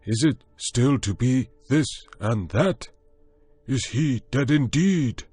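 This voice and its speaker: A man voicing an anxious, fearful ape-man in a storybook reading, raising his voice high and pleading. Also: expressive, takes it slowly, warm tone, husky, no echo.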